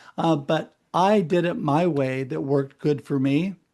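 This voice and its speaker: A man with a plain, everyday voice speaks at a fairly high pitch with ordinary pitch variation over a quiet background. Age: 60s. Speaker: inspirational speaker. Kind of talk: interview.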